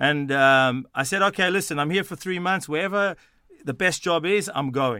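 A man speaks at a moderate pace in a bright, sharp, fairly high voice with ordinary pitch variation. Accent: Australian. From South Africa, then Sydney, Australia. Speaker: company executive. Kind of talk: interview. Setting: remote call.

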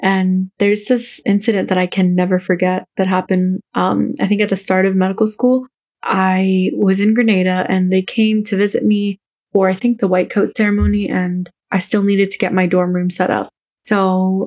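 This woman has a normal speaking voice with an American accent and medium pitch. She keeps a moderate pace and very even loudness. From Orlando, Florida, US; family from Hyderabad, India. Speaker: medical student. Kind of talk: educational podcast chat.

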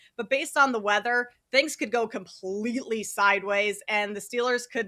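In a very clean recording with a silent background, a woman with an American accent speaks at a moderate pace, her bright, sharp voice fairly high in pitch with ordinary pitch variation. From Minnesota. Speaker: sports betting analyst. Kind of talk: casual sports talk.

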